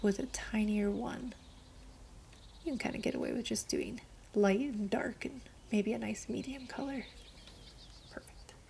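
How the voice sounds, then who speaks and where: Pausing long and often, a woman talks at a moderate pace. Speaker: art tutorial youtuber. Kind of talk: tutorial.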